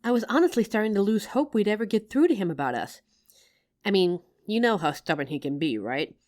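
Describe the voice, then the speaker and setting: A woman's voice: mid-range voice, fairly quick, natural voice. A woman playing a loving, teasing working wife, tired after work, in an affectionate roleplay addressed to the listener. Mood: surprised, relieved. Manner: affectionate, playful, expressive.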